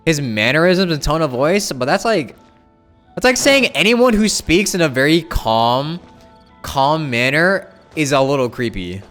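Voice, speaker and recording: A man chatting casually on a game livestream, thinking aloud in a halting way and repeating his phrases. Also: a little high, big pitch swings, fairly bright tone, soft background music. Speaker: game streamer. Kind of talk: casual livestream chat with viewers.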